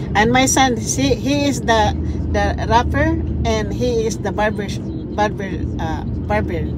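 Against loud background noise, a woman talks at a very slow pace in a dry sound with no echo. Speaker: mother vlogger. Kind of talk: casual vlog chat. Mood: happy, cheerful. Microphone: phone near.

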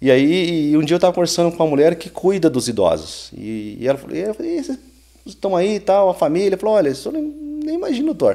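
At a very fast pace, a man speaks in a high pitch with very wide pitch swings and a dark, mellow tone. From Paraná, Brazil (Campo Largo, near Curitiba). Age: 40s. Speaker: lawyer. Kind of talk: interview on real estate law.

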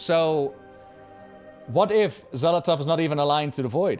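Faint music sits in the background. A man speaks with ordinary pitch variation. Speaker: game streamer. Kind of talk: casual commentary. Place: home room.

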